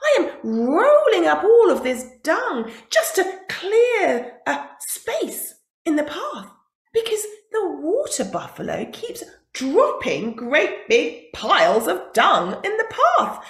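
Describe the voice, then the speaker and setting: Woman doing a high, earnest storybook dung beetle, echoey room. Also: wildly swooping pitch, slow pace, exaggerated voice. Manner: chirpy, earnest. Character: busy hardworking female dung beetle. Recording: roomy echo.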